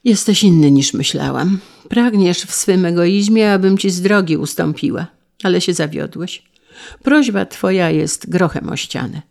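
A woman's voice: fairly low pitch, moderate pace, creaky, a little mellow. A woman voicing a proud young woman who refuses her brother in a cold, unyielding way.

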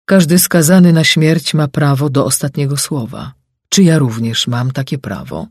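A man voicing a steadfast, dignified male servant, speaking solemnly and measured, with a husky voice. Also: a little high, animated, darkish tone, no room sound, clean studio sound. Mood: pleading.

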